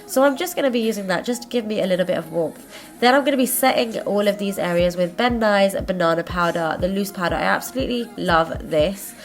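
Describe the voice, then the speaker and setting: A woman's voice: medium pitch, brisk, soft background music. A woman with a blocked nose from a cold, hosting a makeup tutorial in a chatty, friendly way and sometimes correcting herself as she goes. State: congested, stuffy-nosed from a cold. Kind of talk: casual step-by-step tutorial narration.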